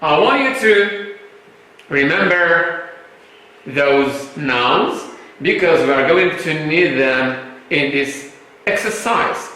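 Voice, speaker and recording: A male English teacher from Morocco, a native Arabic speaker, slowly explaining vocabulary to a class, often checking with "right?" and "hmm?". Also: a little high, lively intonation, pushed and bright. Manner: slow, repetitive explaining with tag questions. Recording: very echoey room.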